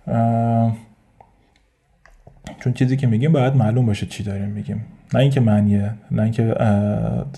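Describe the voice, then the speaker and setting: In a mellow, mid-range voice, a man with a Persian accent muses aloud on his informal solo podcast. His delivery rambles, broken up by frequent fillers and restarts.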